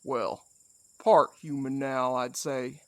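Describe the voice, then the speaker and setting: A man's voice: medium pitch, fairly even intonation, slow pace, no echo. A man playing a menacing, mock-courteous supernatural villain in an audio drama. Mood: smug, measured. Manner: drawling, theatrical, mock-polite. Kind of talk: audio fiction drama acting.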